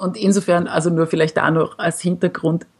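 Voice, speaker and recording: At a moderate pace, a woman speaks in a somewhat breathy, fairly low voice with ordinary pitch variation. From Austria, Vienna. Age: 40s. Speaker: psychological counsellor. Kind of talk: interview.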